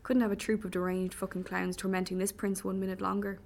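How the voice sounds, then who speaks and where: A woman's voice: mid-range voice, little pitch movement, quick pace, creaky, a little mellow, a little hiss or hum, natural voice. A woman voicing a laconic young Irish man who talks bluntly and dryly, with some swearing.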